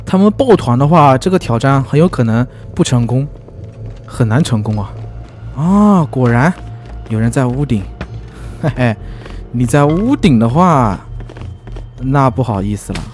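A man giving lively, teasing commentary as he plays a video game, full of exclamations. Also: medium pitch, unhurried, pauses often, soft background music. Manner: excitable, teasing, frequent exclamations and laughs. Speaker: gaming YouTuber. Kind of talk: let's play commentary.

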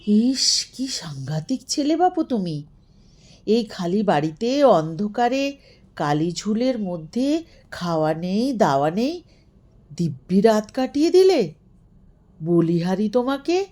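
A woman's voice: medium pitch, big pitch swings, slow, long pauses, warm tone, pitched above the performer's own voice. A woman storyteller playing an exasperated elder relative, scolding and emphatic.

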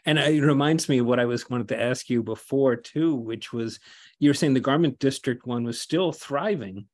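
An older man on a video call from a room at home, his voice at an ordinary middle pitch. He chats easily, winding through long questions with plenty of yeahs. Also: normal speed. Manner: chatty, asks long rambling questions, frequent affirming. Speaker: interviewer. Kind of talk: conversational interview over video call.

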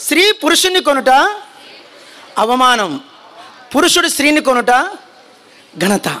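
A man preaching with fire to a congregation, his voice very high and sharp. He shouts his warnings and keeps pressing the listeners to answer and repeat after him. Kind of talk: fiery sermon. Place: church hall before a congregation.

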